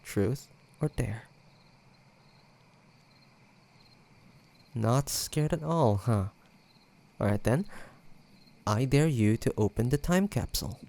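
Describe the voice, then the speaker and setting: Creaky young man, acted, slow-paced, teasing, hesitant, nostalgic ex-boyfriend, conversational audio drama. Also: medium pitch, darkish tone, natural voice. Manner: teasing, hesitant, casual banter with trailing pauses.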